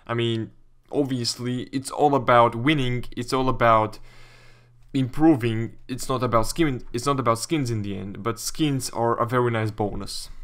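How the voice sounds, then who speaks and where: A man's voice: mid-range voice, fairly even intonation, normal speed, a bit bright. Young Latvian-accented man, casual gaming commentator. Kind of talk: casual Q&A commentary reading viewer questions.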